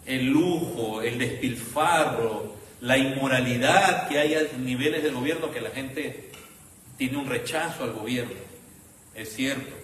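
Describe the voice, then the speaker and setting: A pastor preaches a sermon earnestly and pleadingly, often addressing his listeners as brothers. His mid-range voice is a bit bright. It's recorded from some distance in an echoey room, with a faint hiss.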